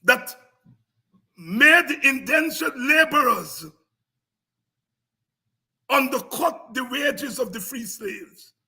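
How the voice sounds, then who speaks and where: A man with a Guyanese accent giving an impassioned, informal history lecture as a programme host, emphatic, repetitive and combative, with a raspy, gravelly voice. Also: very high voice, expressive, takes it slowly, pauses often, sharp tone.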